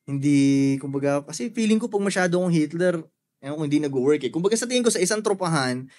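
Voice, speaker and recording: A man's voice: on the high side, lively intonation, fast, a little mellow. A young man chatting casually on a podcast, laid-back and slangy, swearing often. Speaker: podcast guest.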